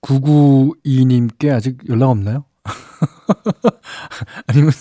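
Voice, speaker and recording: A middle-aged radio host speaks slowly in a medium-pitched, dark voice as he chats through listener messages, chuckling often and using many fillers. The studio microphone gives a dry studio sound with no echo.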